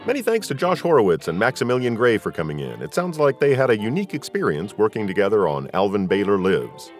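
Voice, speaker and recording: A man's voice: lowish voice, sing-song, quick pace, over music. A man hosting a podcast in a casual, conversational style. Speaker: podcast host and audiobook narrator. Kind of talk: casual podcast interview and chat.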